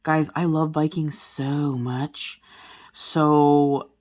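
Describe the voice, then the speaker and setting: A woman in her forties with a low-pitched voice chats casually to her audience as a crafting vlogger. She rambles from one thing to the next, full of fillers and self-corrections. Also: little pitch movement, extremely slow, darkish tone. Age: 40s. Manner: rambling, many fillers and restarts. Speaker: diamond painting vlogger. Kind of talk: casual chat to viewers while crafting.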